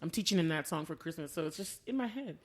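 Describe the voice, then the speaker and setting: A woman's voice: low-pitched, expressive, fast, a crowd in the background. An American woman co-hosting a podcast in casual banter, playful and giggly, often slipping into bits of song. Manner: playful, giggly, often breaks into sung snippets. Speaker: podcast co-host. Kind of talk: casual banter between co-hosts.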